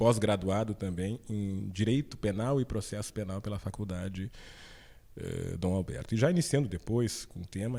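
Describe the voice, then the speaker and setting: At a moderate pace, a man speaks in a fairly low pitch with a dark, mellow tone and ordinary pitch variation. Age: 50s. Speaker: police officer, council candidate. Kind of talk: interview. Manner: halting, many fillers.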